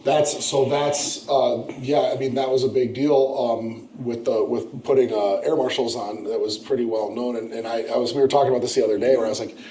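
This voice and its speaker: Male podcast host, casual and upbeat, mellow tone, roomy echo. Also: mid-range voice, fairly even intonation, a little fast, few pauses. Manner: laid-back, enthusiastic, casual. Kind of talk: casual interview chat.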